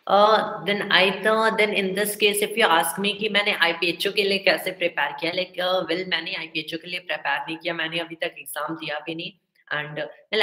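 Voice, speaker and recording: A teenage boy with a South Asian accent chatting casually and haltingly on a livestream, mixing English and Hindi as he answers viewers. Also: a little high, bright, forceful tone. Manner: halting, reading questions aloud. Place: indoor room with bare walls. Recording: echoey room, webcam-style livestream sound.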